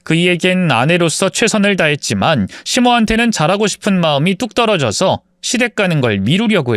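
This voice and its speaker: Guy reading a drama story as the wife, high lively voice, dry close mic. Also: no echo. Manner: expressive storytelling as a wronged wife. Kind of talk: first-person story narration.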